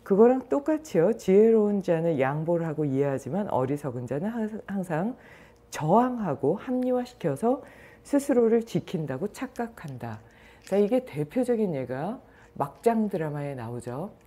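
A woman's voice: low-pitched, breathy edge. A woman yoga and meditation teacher giving a spoken lecture, acting out everyday examples and chuckling between points. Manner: animated storyteller who acts out everyday examples.

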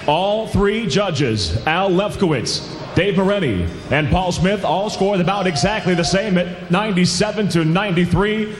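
High-pitched male boxing ring announcer, echoing hall. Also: lively intonation. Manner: formal, drawn-out announcing of names. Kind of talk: boxing ring announcer reading scorecards and results. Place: large indoor boxing venue, in the ring. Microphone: handheld microphone. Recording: echoey hall with long reverb.

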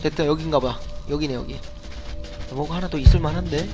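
A man doing comic commentary while streaming a game, playfully talking to the characters as if he were their dad and breaking into loud excited shouts. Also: fairly high pitch, brisk. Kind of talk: comic let's-play commentary. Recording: loud game music behind the voice. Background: game music.

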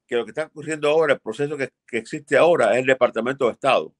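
Rapid-fire and mid-range, the older male immigration lawyer answers viewer questions as an expert from his home office, framed pictures around him. His delivery is blunt and emphatic with repetition for stress, captured as dry webcam sound.

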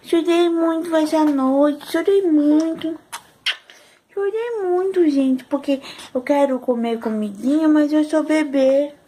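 A Brazilian woman voicing her infant baby boy, speaking for him in drawn-out, sing-song baby talk as he whines about crying and being hungry. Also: high-pitched, dark tone, slight background noise, pitched above the performer's own voice. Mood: whiny baby talk.

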